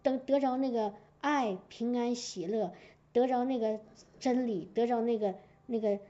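High-voiced woman preaching a sermon. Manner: lively storytelling with frequent "明白我的意思吧" asides. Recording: dull lo-fi recording.

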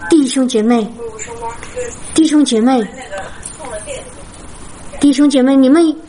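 Woman with a high pitch, fervent church testimony, repetitive and halting. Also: warm tone, low-quality recording. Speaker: Christian testimony speaker. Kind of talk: emotional personal testimony to a congregation.

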